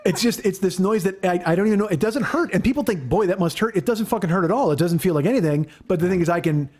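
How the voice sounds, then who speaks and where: A man in his forties hosting a podcast, telling stories in a casual, profane, animated way. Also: high-pitched, fast talker. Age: 40s. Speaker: podcast host. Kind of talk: casual chat.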